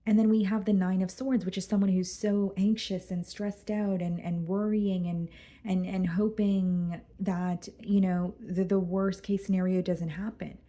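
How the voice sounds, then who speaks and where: A woman doing a casual tarot reading, going hoarse and clearing her throat as she talks through the cards with some hesitation. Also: medium pitch, level tone, unhurried, warm tone. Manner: careful, hesitant, repeats words. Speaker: tarot reader.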